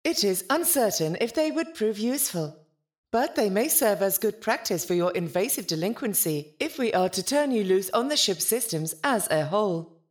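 A woman playing a ship's AI in an audio drama, formal, literal and gently concerned, with precise, stilted wording. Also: medium pitch, animated, normal speed, natural voice. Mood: formal, measured.

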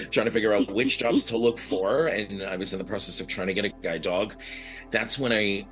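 A man's voice: sits low, bright, forceful tone. A man from New York, a guest on an interview podcast, talking in an earnest, reflective way with restarts. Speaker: guest, blind advocate.

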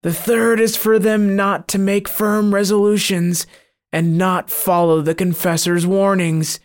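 A sly devil in the form of a huge cat, as a storyteller puts it on, answering in a higher, pinched tone. It whines and holds back, cowering under threat. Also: little pitch movement, measured pace, lightly acted.

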